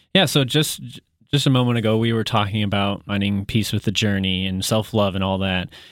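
This man has a normal speaking voice with an American accent and fairly low pitch. He talks at a fairly quick pace with ordinary pitch variation. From Montana. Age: 30s. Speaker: personal trainer. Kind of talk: podcast interview.

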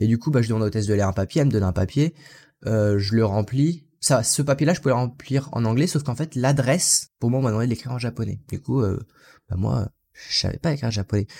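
Very fast, somewhat breathy speech from a man with a dark, mellow tone, on a very clean recording with a silent background. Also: medium pitch for a man, ordinary pitch variation. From France. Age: 20s. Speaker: teacher. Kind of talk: casual interview.

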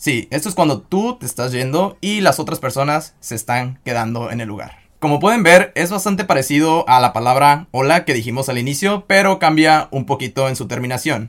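Lively in intonation, a man with an unremarkable speaking voice and fairly high pitch speaks at a moderate pace. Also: hardly any pauses. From Mexico. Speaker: language teacher podcast host. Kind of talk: language lesson.

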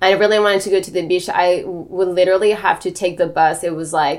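This woman has a plain, everyday voice with an American accent. Her pitch is fairly low. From United States. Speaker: podcast guest. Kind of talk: casual interview. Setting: in person, Los Angeles.

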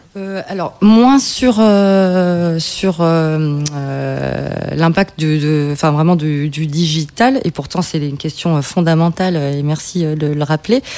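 Over noticeable background noise, a woman talks at a very slow pace in a very deep, low pitch, with hardly any pauses. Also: ordinary pitch variation. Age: 40s. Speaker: artist booking agent. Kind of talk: round-table discussion.

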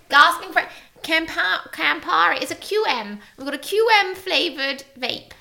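A woman with a high pitch and very wide pitch swings speaks at a fairly slow pace in a raised, projected voice, over noticeable background noise. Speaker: podcast host. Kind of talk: casual banter chat.

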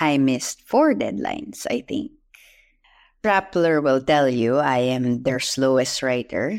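A woman with a Filipino accent speaks fairly slowly in a very deep, low pitch with lively intonation. The recording is very clean, with a silent background. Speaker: journalist and author. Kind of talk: interview with code-switching Taglish.

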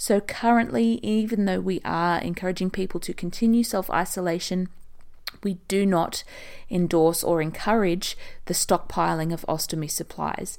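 A woman speaks with an Australian accent on a very clean recording with a silent background. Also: medium pitch for a woman, ordinary pitch variation, moderate pace. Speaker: stoma nurse and podcast host. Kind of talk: solo informational podcast. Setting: at home on couch.

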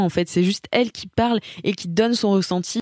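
A woman's medium-pitched voice with ordinary pitch variation, in a dry, close sound with no echo. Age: 20s. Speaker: film recommendation podcaster. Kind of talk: casual monologue review. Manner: hesitant, many fillers.

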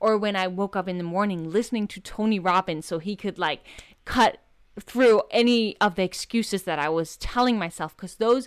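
A woman with a Danish accent and lively intonation, on a very clean recording with a silent background. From Denmark. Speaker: guest, dancer and model. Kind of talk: casual interview chat.

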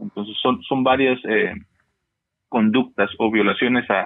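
A man's flat, monotone delivery at a moderate pace. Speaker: transit official. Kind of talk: interview.

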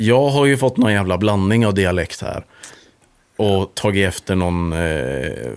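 An ordinary speaking voice from a man, fairly low in pitch, at a moderate pace with lively intonation. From Sweden, Vättern area (Östergötland or Västergötland). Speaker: golf podcast co-host. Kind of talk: casual chat.

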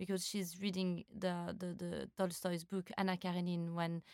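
Monotone, flat intonation in a French accent. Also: woman. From Morocco. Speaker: author. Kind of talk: casual chat.

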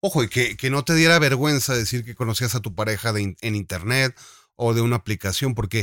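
In a normal speaking voice, a man talks at a fairly quick pace and medium pitch, the sound dry and close with no echo. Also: very clean recording, silent background. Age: 40s. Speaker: podcast host. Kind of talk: interview. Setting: studio.

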